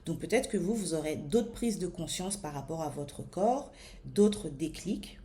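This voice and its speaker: A woman in her thirties with a French accent, coaching her listeners on body image in a slow, deliberate talk with frequent hesitations. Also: on the low side, mellow, a little hiss or hum. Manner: many hesitations and fillers. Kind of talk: motivational talk to camera.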